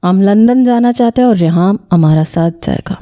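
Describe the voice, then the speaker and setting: A woman's voice: mid-range voice, dark tone, dry recording, studio quality, lightly acted. A woman voicing a bold, possessive young Pashtun husband who talks bluntly in broken, informal grammar. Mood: insistent.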